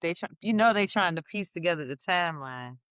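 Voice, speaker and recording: A woman's voice: lowish voice, lively intonation, brisk, fairly bright tone, clear, resonant tone, dry recording. A woman co-hosting a casual chat show, retelling gossip in a chatty way and laughing often. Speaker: podcast co-host.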